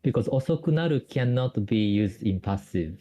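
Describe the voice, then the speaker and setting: A man's voice: fairly low pitch, expressive, moderate pace, dark tone. A Japanese man speaking English with a Japanese accent, explaining grammar on a call, hesitant with many fillers and restarts. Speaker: Japanese tutor.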